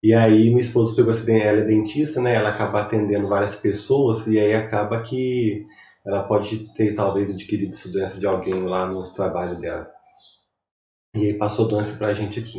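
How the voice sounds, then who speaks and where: A man's voice: on the low side, dark tone, roomy sound, distant mic, dull audio. A man in his thirties with a Brazilian Portuguese accent, giving a recorded online lecture in a rambling, conversational way while he recovers from a cold. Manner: rambling, conversational, chatty asides. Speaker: university lecturer.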